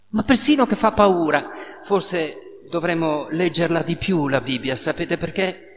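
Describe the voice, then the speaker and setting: Gravelly priest preaching in a reverberant hall. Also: male voice, high-pitched. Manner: lively storytelling with sound effects. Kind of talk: sermon. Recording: reverberant hall with faint noise.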